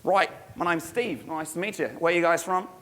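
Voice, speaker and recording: A man voicing a rough, tanned Australian bar regular, with a put-on Australian accent and a gruff, blunt way of talking. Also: a little high, normal speed, a bit bright, voice pushed up, close to an everyday voice. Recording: long hall reverb.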